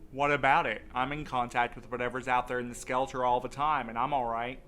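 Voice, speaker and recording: Bright, insistent, devoted man played by an actor. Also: medium pitch, little pitch movement, a little fast, a little hiss or hum, natural voice. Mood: impatient. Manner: insistent, questioning. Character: stubborn, devoted young courier desperate to keep his loved one. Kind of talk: audio drama dialogue.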